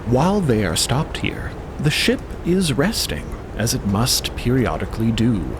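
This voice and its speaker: A man delivering scripted, measured story narration, with clear ambient noise behind him. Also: medium pitch, wildly swooping pitch.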